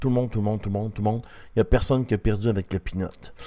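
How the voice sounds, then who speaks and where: A man speaks in a Quebec accent with fairly even intonation on a very clean recording with a silent background. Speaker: crypto trading YouTuber. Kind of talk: promotional pitch.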